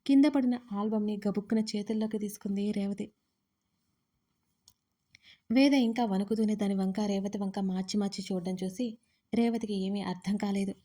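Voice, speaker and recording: Mellow woman narrating a dramatic audio story. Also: mid-range voice, steady tone, moderate pace, pauses often.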